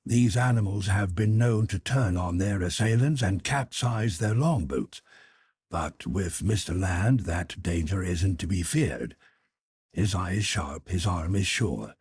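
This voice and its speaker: A man voicing a courteous, commanding submarine captain with a formal, measured manner in an audiobook. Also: deep voice, animated, a little mellow, breathy edge, no room sound, clean studio sound, full character voice. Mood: measured, assured.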